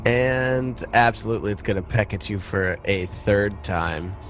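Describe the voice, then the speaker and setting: A man's voice: on the low side, unhurried, fairly bright tone, soft background music. A man casually narrating a tabletop game as game master, in informal, sweary language.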